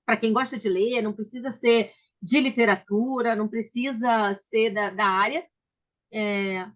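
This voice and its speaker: A woman from Brazil, hosting a book club on a video call, speaks at a measured pace with fairly even intonation in a slightly high voice. The call audio is a bit dull, and her casual chat is chatty and welcoming, full of restarts.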